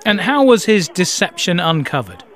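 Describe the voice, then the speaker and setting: A man's voice: sits high, sing-song, a bit bright. Man presenting the news, formal. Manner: measured, formal.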